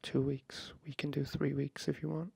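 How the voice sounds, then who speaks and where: A man speaking softly and breathily, half whispering in a hesitant, friendly ASMR chat into a close microphone. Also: fairly high pitch, little pitch movement, normal speed, creaky, husky, no echo. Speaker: ASMR video creator. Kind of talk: soft-spoken ASMR, friendly chat roleplay.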